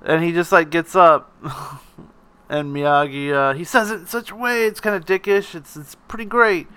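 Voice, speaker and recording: A man's voice: on the high side, moderate pace, bright, forceful tone, smooth, no room sound. A man hosting a casual film recap, rambling along, laughing often and swearing freely. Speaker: podcast host recapping a film.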